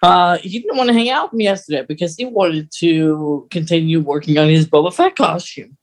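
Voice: medium pitch, fairly quick. A podcast co-host chatting casually about a radio drama, explaining things in a rambling, hesitant way.

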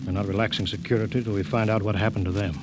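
Man acting stern rocket captain, American, low voice, curt commands, 1950s radio play, noisy recording. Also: fairly even intonation, rapid-fire, natural voice. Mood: stern, guarded. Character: stern, cautious male rocket expedition captain.

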